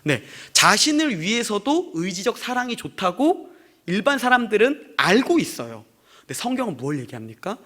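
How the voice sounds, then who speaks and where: A man's voice: high-pitched, sing-song, moderate pace, bright, forceful tone. A man preaching a sermon as a pastor to his congregation in church, in a conversational way with rhetorical questions. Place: church sanctuary.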